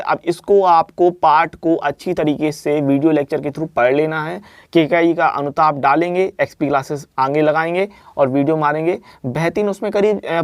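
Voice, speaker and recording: A man's voice: high-pitched, no room sound, clean studio sound. A man teaching an exam-prep lesson, explaining answers step by step and often checking in with the listener. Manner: explanatory, repeats "ठीक है ना" often.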